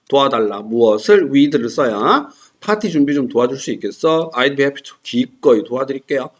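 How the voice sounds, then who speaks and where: A man teaching English test strategy in a casual lecture, acting out example dialogues with playful voices. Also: mid-range voice.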